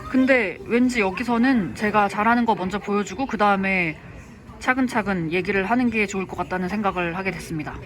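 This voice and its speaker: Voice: medium pitch, fairly quick, fairly bright tone, a little hiss or hum. Chatty vlogger venting in a cafe. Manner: chatty, venting frustration about a coworker. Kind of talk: casual vlog monologue. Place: cafe, eating a meal.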